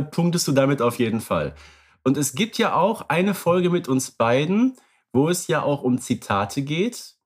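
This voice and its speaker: A man's voice: medium pitch, husky. A man co-hosting a podcast, agreeable and matter-of-fact in casual chat. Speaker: podcast co-host.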